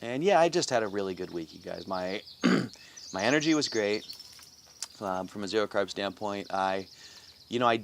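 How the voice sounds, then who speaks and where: A middle-aged man with a notably deep voice talks to his viewers in an upbeat, rambling morning chat. He fills pauses with "um" and restarts his sentences. He is recorded outdoors by his house, with faint birds and crickets behind him. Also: expressive, creaky, slight background noise. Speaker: vlog host. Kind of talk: casual morning video diary.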